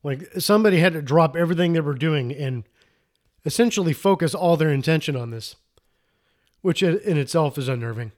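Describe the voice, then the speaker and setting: A man's voice: fairly high pitch, lively intonation, a little fast, a little mellow. Rambling enthusiastic man recapping a film. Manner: rambling, self-interrupting, enthusiastic. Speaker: podcast co-host. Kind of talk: casual movie recap chat.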